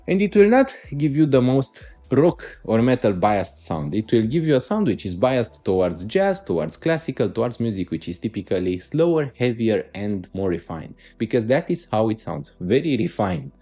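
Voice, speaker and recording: A man's voice: fairly low pitch, sing-song, moderate pace, few pauses, dark tone. A man with a Romanian accent giving a casual spoken gear review as a reviewer, explaining things emphatically and enthusiastically.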